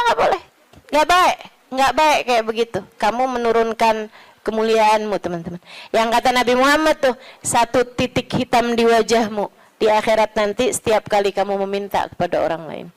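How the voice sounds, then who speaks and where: Chatty woman preacher, slightly high voice. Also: lively intonation, brisk, low-quality recording. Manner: chatty, teasing, addresses listeners as friends. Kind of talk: religious talk to an audience.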